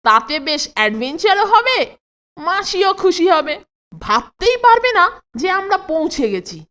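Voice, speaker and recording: A woman voicing an adventurous, cheeky boy in a children's cartoon, with an animated, teasing delivery. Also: very high-pitched, moderate pace, exaggerated voice. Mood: coaxing, upbeat. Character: adventurous, cheeky Bengali cartoon boy, coaxing his pal.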